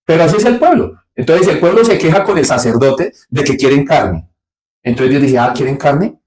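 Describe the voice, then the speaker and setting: A man preaching a Bible study sermon. He asks rhetorical questions and answers them himself, dropping low for asides and rising sharply on his points. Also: moderate pace. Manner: swings between low, quiet asides and sharp, raised points. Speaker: pastor.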